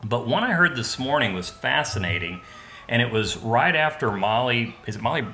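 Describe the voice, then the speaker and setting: Bright-voiced, joking podcast guest. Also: male voice, mid-range voice, moderate pace, a little hiss or hum. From American Midwest. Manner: relaxed, joking, rambling storyteller. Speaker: podcast guest, business partner. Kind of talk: casual podcast chat.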